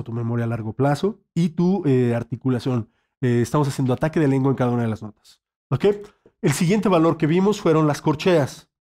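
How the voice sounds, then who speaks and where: A man leads an online saxophone lesson. His voice sits a little high, and he speaks patiently, checking in often with the student. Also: darkish tone. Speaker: saxophone teacher.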